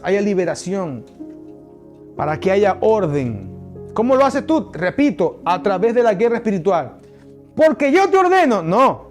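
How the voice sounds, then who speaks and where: A man's voice: sits high, a little mellow. A male pastor preaching a sermon, emphatic and speaking straight to his congregation.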